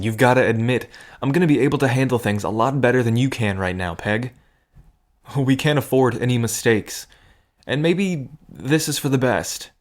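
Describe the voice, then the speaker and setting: A man's voice: mid-range voice, natural voice. A man acting in an audio drama as a protective, wry cousin in a gambling scheme, talking in an earnest, conversational way. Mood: firm, persuasive. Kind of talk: scripted audio drama acting, addressed to the listener.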